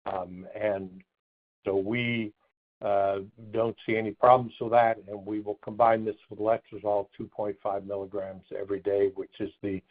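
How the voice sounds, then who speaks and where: A man giving measured, halting technical answers as a chief medical officer on a muffled phone conference call. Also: lowish voice, flat delivery. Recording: muffled narrow phone line.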